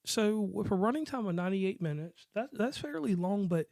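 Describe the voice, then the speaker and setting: A man's voice: high voice, animated, moderate pace, gravelly, a little mellow, no room sound. An American man hosting a movie review podcast in casual, slangy chat, rambling and joking as he goes. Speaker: podcast host.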